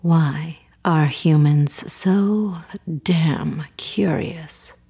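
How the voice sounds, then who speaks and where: A woman playing a sinister monster in human guise, calmly menacing and measured, in a horror audio drama with a half-whispered delivery. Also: deep voice, full character voice. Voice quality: breathy, husky, half-whispered. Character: cold, sinister female monster disguised as human conspirator.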